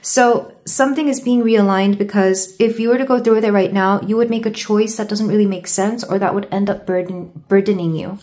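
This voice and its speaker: Congested woman giving a halting tarot reading. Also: mid-range voice, fairly even intonation, a little mellow. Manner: halting, stumbling over words. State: congested with a sore throat. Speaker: tarot reader. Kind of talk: tarot card reading to viewers.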